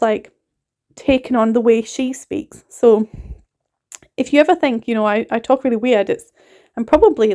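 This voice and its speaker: A woman's voice: a little high, a little mellow. A woman in her thirties with a mixed northeast English and Scottish accent, chatting casually in a voiceover for her cleaning vlog, rambling and laughing often. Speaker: cleaning vlogger.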